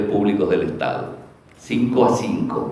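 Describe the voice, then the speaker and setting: Speech with lively intonation comes at a fairly slow pace, with audible room echo and noticeable background noise. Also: man. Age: 60s. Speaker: professor. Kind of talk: public hearing testimony. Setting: legislature auditorium. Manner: formal.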